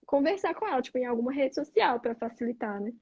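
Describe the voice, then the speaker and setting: Husky, high-voiced woman host, dull dry sound. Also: lively intonation, fast, darkish tone, no echo. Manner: chatty, reacts and asks follow-ups. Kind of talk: casual chat. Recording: dull, dry, slightly muffled.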